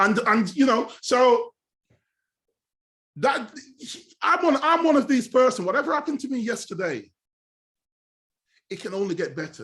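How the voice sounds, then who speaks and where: An extremely high-pitched man with an English accent, animated and lively in intonation, bright and sharp in tone, at a moderate pace with long, frequent pauses. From Jamaica. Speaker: Windrush generation interviewee. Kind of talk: life story interview.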